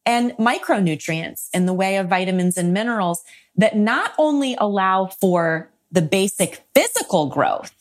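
A woman speaking as a psychologist guest on a podcast, explaining clearly and steadily and listing points. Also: medium pitch, expressive, measured pace. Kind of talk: expert interview answers.

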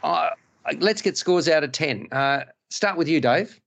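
A man's voice: on the high side, animated, a little slow, vocal fry, a bit bright. A middle-aged man whose first language is Hungarian, hosting a casual film-review panel and rambling through restarts and digressions. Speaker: podcast host.

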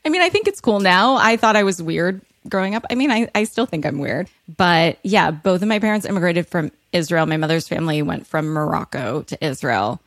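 A woman in her thirties from California, a podcast guest who talks frankly and quickly, laughing often and saying "like" a lot. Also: on the low side, lively intonation, no room sound, studio quality. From California, USA. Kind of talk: candid interview talk.

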